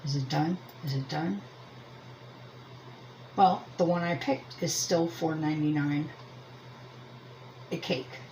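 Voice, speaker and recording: A woman's voice: sits low, takes it slowly, long pauses, darkish tone, slight background noise, low-quality recording. A woman from Pennsylvania with a Pennsylvania Dutch accent chats casually as the host of a homemade review, rambling and thinking aloud in a self-deprecating way. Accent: Pennsylvania Dutch American. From Lancaster County, Pennsylvania, US. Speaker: host of a crochet and yarn channel. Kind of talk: casual chatty product review.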